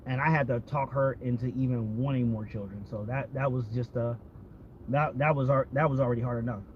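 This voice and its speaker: Casual American male vlogger, candid and profane, mid-pitched, slightly noisy lo-fi recording. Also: steady tone, fairly quick. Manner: candid, profane, repeats himself. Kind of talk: casual rambling chat. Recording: dull lo-fi audio with background vehicle noise.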